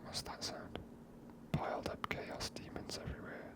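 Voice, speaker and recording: A host whispering an ASMR game commentary in a hushed, unhurried way, musing aloud close to the microphone. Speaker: gaming video host.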